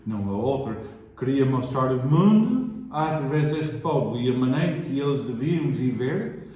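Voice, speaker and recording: Slow, halting man in an echoey room. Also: medium pitch, animated, mellow. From outside Portugal. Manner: asks probing questions, halting and searching for words. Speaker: Bible study leader. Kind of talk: Bible study discussion.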